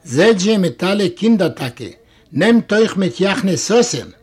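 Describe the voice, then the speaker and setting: Guy reading as a kind pious innkeeper lady, high voice, fussing over her guests. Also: very animated, slow pace, slightly rough, full character voice. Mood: hospitable. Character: kindly pious older woman innkeeper.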